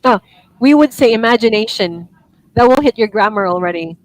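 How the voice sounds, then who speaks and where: Woman, IELTS speaking teacher, raised voice, dry close sound, gently corrective. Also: on the high side, lively intonation, fairly quick, no room sound, low-quality recording. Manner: gently corrective, apologetic, laughs easily. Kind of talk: online one-on-one lesson feedback.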